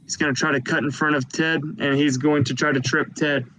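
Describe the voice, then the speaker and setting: A man narrating a tabletop game as game master, calling turns and dice rolls in a steady, matter-of-fact way. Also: on the high side, a little fast, poor audio.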